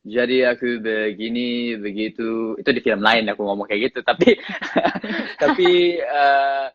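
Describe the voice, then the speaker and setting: A man with a slight English accent in his Indonesian, an actor chatting casually in an interview, relaxed and often laughing. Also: mid-range voice, measured pace, dull audio. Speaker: actor guest.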